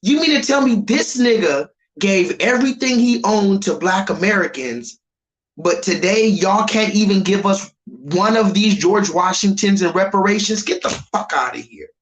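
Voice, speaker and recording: A man's voice: lively intonation, moderate pace, low-quality recording. Heated, profane man ranting on a live stream. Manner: swings between loud high bursts and low mutters. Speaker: livestreamer.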